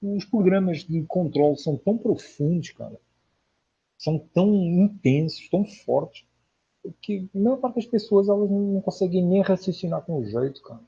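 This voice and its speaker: Casting: male livestream host, Portuguese accent, highish mellow voice, earnest and emphatic, casual talk over dull lo-fi audio. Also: creaky, breathy edge. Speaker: online spiritual lecturer, livestream host. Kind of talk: casual livestream talk answering viewers' comments.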